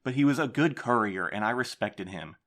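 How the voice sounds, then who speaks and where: An actor playing a defensive postmaster in an audio drama, speaking in a measured, placating way. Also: male voice, mid-range voice, expressive, fairly bright tone, natural voice. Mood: earnest. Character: defensive male postmaster, guarded boss.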